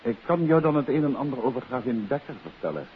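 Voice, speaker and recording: A confident gentleman detective played by a man in a 1950s radio play. His mid-pitched voice moves with very lively intonation, on a dull old recording with clear hiss. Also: fast, close to an everyday voice. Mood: reassuring, firm. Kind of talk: 1950s radio drama acting.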